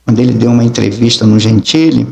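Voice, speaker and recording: Gravelly middle-aged preacher, emphatic storytelling. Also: male voice, mid-range voice, steady tone, fast, darkish tone. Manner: emphatic storytelling, acts out dialogue. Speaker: apostle, guest preacher. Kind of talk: testimony in an interview.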